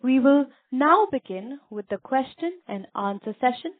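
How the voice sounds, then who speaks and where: High-voiced woman operator, phone-like. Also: expressive, normal speed, no echo. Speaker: conference call operator. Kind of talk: scripted call announcements. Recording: narrow phone line.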